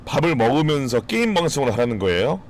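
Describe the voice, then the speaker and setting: A man chatting casually with his live-stream audience, joking, swearing freely and breaking into sudden loud outbursts. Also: medium pitch, very animated, fast talker, a little hiss or hum. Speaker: game streamer.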